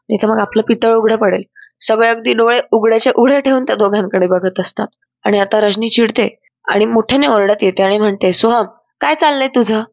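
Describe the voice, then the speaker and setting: A woman retells a serial episode in an emphatic, storytelling voice-over. Her voice sits a bit high. The recording is dry and somewhat muffled. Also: no room sound. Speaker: serial review narrator.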